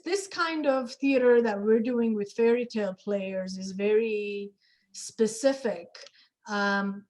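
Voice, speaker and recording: A woman interviewer with a medium-pitched voice and an unhurried, slow delivery. She puts her questions in a measured, conversational way, pausing as she shapes them. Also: darkish tone. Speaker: interviewer, panel host. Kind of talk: casual interview.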